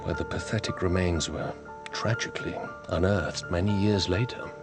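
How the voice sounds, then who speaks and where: An actor playing a suave, mysterious wealthy count who speaks in a smooth, teasing, measured way. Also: male voice, low voice, steady tone, loud music behind the voice. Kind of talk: radio drama acting.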